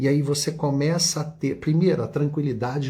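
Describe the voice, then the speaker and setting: Soft-spoken and somewhat breathy, a man with a fairly high pitch has a dark, mellow, calm tone, heard with audible room echo. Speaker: dentist and hypnotherapist. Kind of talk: lecture.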